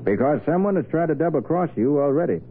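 An actor playing a shrewd, confident private detective, brisk and probing, in a 1940s radio crime drama. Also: male voice, a little high, animated, narrow, tinny audio. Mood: firm, pressing. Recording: noisy, phone-thin vintage radio recording.

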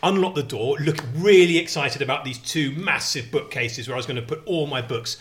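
A man's voice: a little high, a little fast, a bit bright, a little hiss or hum. A man co-hosting a casual chat, telling wry stories and ranting with gusto. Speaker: podcast co-host.

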